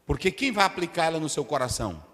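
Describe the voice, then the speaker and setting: Fiery Brazilian pastor, high lively voice. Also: male voice, quick pace. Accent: Brazilian Portuguese. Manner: emphatic, swings from hushed to shouting, acts out quotes. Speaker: pastor teaching a Sunday school class. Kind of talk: fiery preaching lesson. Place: church hall. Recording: reverberant church hall.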